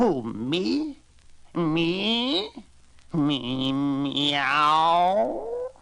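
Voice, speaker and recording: A whiny put-on character voice at middle pitch. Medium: read story. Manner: whiny, meowing.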